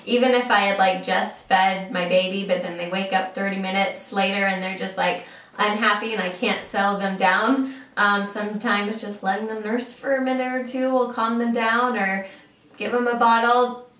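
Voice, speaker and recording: A woman's voice: mid-range voice, fairly even intonation, normal speed, fairly bright tone. A young woman chatting casually to camera, giving tips with lots of fillers. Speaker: vlogger sharing travel tips. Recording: roomy sound, mic at a distance.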